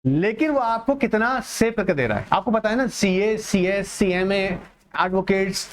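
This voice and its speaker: A man teaching an online exam-prep class, reading English points slowly and explaining them in Hindi mixed with English, calling his students "beta". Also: high-pitched.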